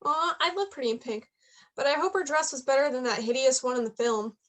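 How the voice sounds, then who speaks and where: A woman's voice: high voice, fairly quick, a bit bright. A woman playing a playful, persistent eighteen-year-old journalism student in a play reading, chatty and probing. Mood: reassuring. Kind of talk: staged reading of a play, naturalistic dialogue.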